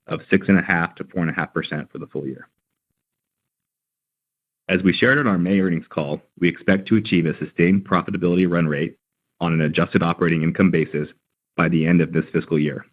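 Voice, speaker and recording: Deep-voiced man reading financial guidance. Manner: formal, measured reading of prepared remarks. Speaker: company finance executive. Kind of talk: scripted financial earnings call presentation. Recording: dull, band-limited conference call audio.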